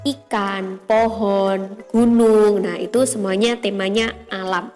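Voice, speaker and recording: A woman's voice: mid-range voice, fairly even intonation, darkish tone, soft background music. Patient woman teacher explaining to children. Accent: Indonesian. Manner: patient, explains slowly with frequent "ya" and "nah". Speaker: primary school teacher. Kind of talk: online class lesson for children.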